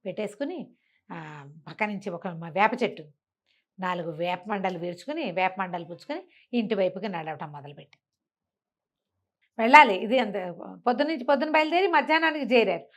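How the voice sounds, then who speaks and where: A woman's voice: mid-range voice, lively intonation, a little fast, long pauses. A woman telling an oral story in a colloquial, conversational way, putting rhetorical questions to her listener.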